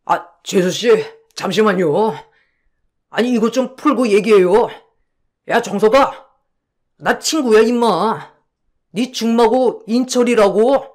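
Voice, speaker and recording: A man's voice: high voice, takes it slowly, long pauses. A man playing a shameless middle-aged con man who coaxes and then turns abusive, in an audio drama. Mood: pleading. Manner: slick, coaxing, turns to abusive shouting.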